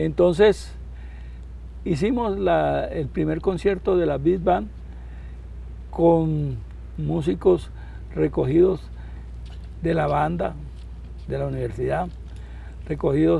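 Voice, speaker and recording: A man at a fairly slow pace, long and frequent pauses, audible room echo. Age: 80s+. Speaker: jazz musician and composer. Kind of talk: interview.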